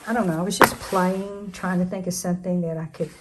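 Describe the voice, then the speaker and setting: A woman in later life, a retired teacher, chatting casually to her vlog viewers in a slightly hoarse voice and thinking aloud as she goes. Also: fairly low pitch, fairly even intonation, a little fast, heavy background noise. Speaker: vlogger.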